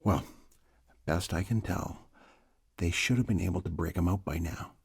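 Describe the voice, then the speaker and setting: An actor playing a weary, grave older prison warden in a video game, speaking with dramatic pauses in a gravelly, husky voice. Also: male voice, sits low, heavily acted. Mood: weary, confiding. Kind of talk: dramatic game cutscene acting.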